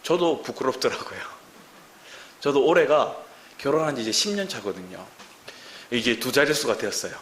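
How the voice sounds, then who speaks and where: Lively Gyeongsang-accented pastor in a roomy church. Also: male voice, mid-range voice, moderate pace, long pauses. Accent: Gyeongsang Korean. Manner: lively, asks the congregation many questions. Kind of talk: sermon. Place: church sanctuary. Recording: roomy church hall with faint hiss.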